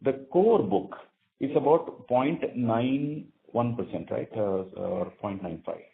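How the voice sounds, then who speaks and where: An Indian-accented man answering analysts as a bank executive on an earnings call, explaining haltingly and often repeating words. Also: medium pitch, vocal fry, a little hiss or hum. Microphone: conference call phone line. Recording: narrow tinny phone line.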